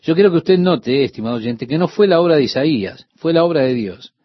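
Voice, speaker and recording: A man preaching a radio sermon, speaking straight to the listener and slowing down to stress key points. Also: a little high, lively intonation, dry recording. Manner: addresses the listener directly, slows for emphasis. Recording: dull dry radio recording.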